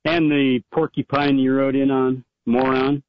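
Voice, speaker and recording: A man's voice: medium pitch, little pitch movement, measured pace. Man who keeps cutting in, "wait a minute". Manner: talks over others, repeats "wait a minute". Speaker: talk show host. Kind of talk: casual banter on a talk show. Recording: dull lo-fi sound.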